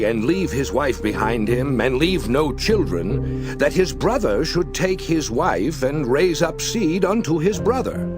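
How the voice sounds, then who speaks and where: A man playing a testing Sadducee questioner with deliberate, theatrical delivery in a dramatized scripture reading. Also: fairly high pitch. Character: Sadducee, testing male questioner posing a contrived riddle. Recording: voice over prominent background music.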